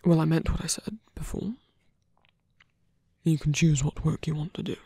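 A man acts out a guarded villain in love for an intimate ASMR roleplay. His voice is very husky and breathy with a gravelly creak, often slipping into a whisper. He speaks haltingly and tenderly, very close and dry on the mic. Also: on the high side, fairly even intonation, dark tone, no echo, exaggerated voice. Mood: earnest, nervous. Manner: halting, hesitant delivery with pauses. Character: guarded, lovestruck male villain, hesitant and tender. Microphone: close dry microphone.

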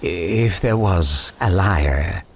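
A man's voice: low voice, slow pace, a little hiss or hum. A man playing an eerie, smug middle-aged manipulator in a game cutscene, formal and condescending with odd hesitations. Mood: smug, measured. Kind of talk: dramatic game cutscene acting.

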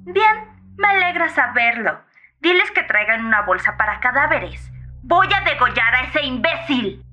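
An actress playing a feisty, fearless, irritated 911 caller in a horror audio story, brash and mocking, heard through a phone filter. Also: female voice, high-pitched, big pitch swings, measured pace, pushed and bright, soft background music, heavily acted. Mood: defiant, vengeful. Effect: phone-line filter. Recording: thin band-limited phone sound.

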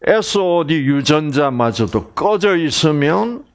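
A man's voice: on the high side, animated, slow pace. An older man from Korea giving a chatty health lecture, weaving in personal stories and frequent asides to his audience.

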